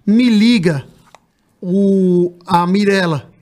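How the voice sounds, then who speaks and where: A man's voice: high-pitched, very slow. A middle-aged man with a Brazilian Portuguese accent, co-hosting a casual podcast and telling stories while acting out the voices of the people in them. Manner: animated storyteller acting out quoted voices. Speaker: podcast co-host. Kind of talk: casual chat, storytelling.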